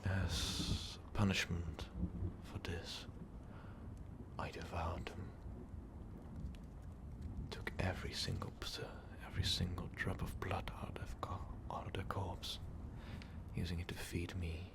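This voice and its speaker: A man voicing an ancient, brooding, power-hungry vampire overlord in an ASMR roleplay, talking haltingly and often slipping into whispers. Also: deep voice, level tone, vocal fry, exaggerated voice. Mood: menacing, hungry. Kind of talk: ASMR roleplay monologue, intimate storytelling.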